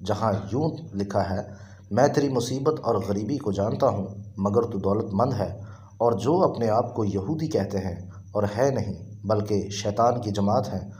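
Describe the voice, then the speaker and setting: A man with a Pakistani Urdu accent teaches scripture at an unhurried crawl. His voice sits fairly low, and he spells out each point with care. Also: warm tone. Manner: slow, deliberate explaining. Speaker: preacher. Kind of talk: Bible teaching lesson.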